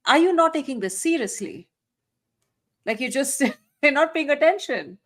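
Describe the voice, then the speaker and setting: Animated, higher-pitched woman podcast co-host. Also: moderate pace. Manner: incredulous, emphatic. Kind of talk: casual commentary, reacting to played calls.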